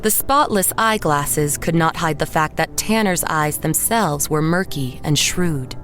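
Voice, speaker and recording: An actress playing a wistful, uneasy woman artist who narrates her own story in a measured, reflective audio drama style. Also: deep voice, a bit bright. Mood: wistful, bitter. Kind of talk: first-person scripted audio drama narration. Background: music behind the voice.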